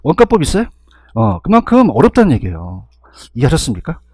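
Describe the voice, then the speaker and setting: A man with a husky voice giving an exam-review lecture, constantly firing rhetorical questions and checking in with his students. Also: on the high side, huge pitch swings, fast, a little mellow, no echo, studio quality.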